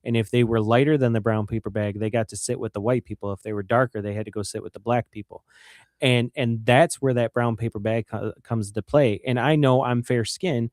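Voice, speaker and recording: A man's voice: medium pitch, fairly even intonation, brisk, darkish tone, no room sound, studio quality. A man with a Michigan accent, a guest on a radio interview, talking earnestly and repeating words when he stresses a point.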